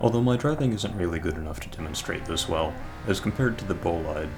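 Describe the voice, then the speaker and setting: With music in the background and audible room echo, a man speaks with lively intonation. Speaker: gaming youtuber. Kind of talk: gameplay commentary.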